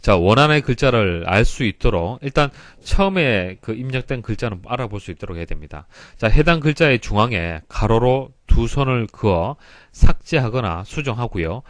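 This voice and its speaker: A man's voice: medium pitch, expressive, moderate pace, hardly any pauses, dry recording. A man giving an explanatory exam prep lecture in a didactic way, stressing key terms and explaining politely. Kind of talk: explanatory lecture, reading and solving exam questions.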